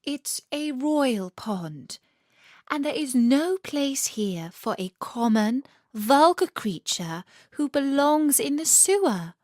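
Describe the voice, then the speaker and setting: A woman's voice: sits high, big pitch swings, slow pace, a little mellow, no room sound, clean studio sound, pitched above the performer's own voice, exaggerated voice. A woman voicing an imperious, pompous female black swan in a children's storybook. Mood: haughty, scornful.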